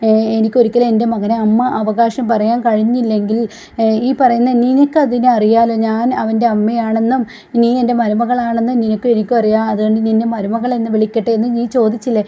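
A fierce middle-aged foster mother berates her rival in a flat, mellow voice, as a woman reads her lines. She sounds high but level, and the recording is dull and lo-fi. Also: a little fast, lightly acted. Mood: accusing. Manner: harsh, accusing.

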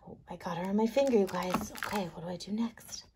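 A woman kindergarten teacher reading a picture book aloud, playful and expressive, leaning on key words. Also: medium pitch, quick pace, vocal fry, heavy background noise.

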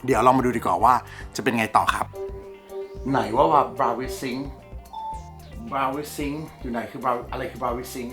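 A man with a middle-pitched voice hosts a relaxed gadget review. He is excitable and self-mocking, with loose casual swearing. Background music plays clearly under his voice. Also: unhurried, pauses often. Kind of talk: casual tech review vlog.

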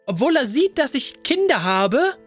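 A young man commentating a game in German, excitable and cooing over little fox cubs, often squealing in alarm. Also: very high-pitched, moderate pace, soft background music. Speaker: let's play gamer.

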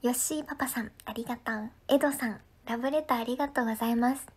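A high-pitched woman from Ehime with a local lilt, talking casually on a livestream as she reads viewer comments aloud. Her tone is friendly and chatty, and she often slips into soft, breathy half-whispers. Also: racing. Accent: Ehime Japanese. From Ehime, Japan.

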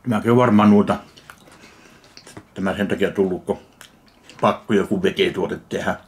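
A man from Finland tasting and reviewing a ready meal in slow, dry, deadpan remarks. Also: low voice, a little hiss or hum. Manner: slow, dry, deadpan commentary between bites. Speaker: food reviewer. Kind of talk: casual food tasting review.

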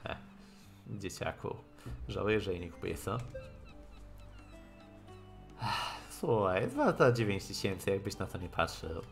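A man with a fairly low voice streams a visual novel. He reads the lines aloud haltingly, mixing in offhand commentary, with game music playing behind him. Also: big pitch swings, creaky.

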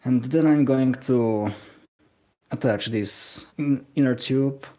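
A man's voice: medium pitch, dark tone. A young man with a Slovak accent, talking hesitantly while he works in a home workshop during a live stream. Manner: hesitant, self-deprecating, halting. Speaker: livestreaming glassblower. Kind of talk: casual live-stream commentary.

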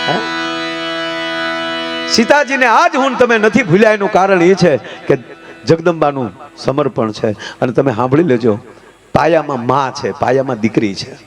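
A man's voice: normal speed, over music. A man telling folk jokes on stage, acting out characters in changing voices and adding preachy asides. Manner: animated, swings pitch to act out quoted characters. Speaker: folk humorist. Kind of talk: live folk comedy storytelling.

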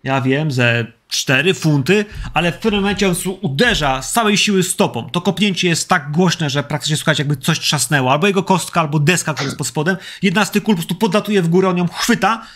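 Male game master, slightly high voice, theatrical paced narration, headset video call. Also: brisk, hardly any pauses, fairly bright tone. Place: home room.

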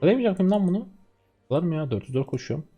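A man in his twenties from Turkey, a streamer chatting excitedly to viewers while commentating his own gameplay. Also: on the high side, very fast, breathy edge. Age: 20s.

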